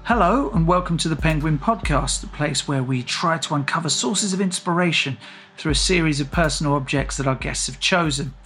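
A man's voice: on the high side, a little fast, fairly bright tone, soft background music. A man speaking as a podcast host, introducing and interviewing a guest from a room at home.

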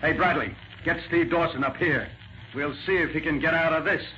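An actor playing a brisk, blunt American police sergeant in 1940s radio crime drama. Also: male voice, fairly high pitch, close to an everyday voice. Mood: blunt, probing. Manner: blunt, slangy questioning. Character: gruff, brisk police sergeant on a murder case. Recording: dull, noisy 1940s radio recording.

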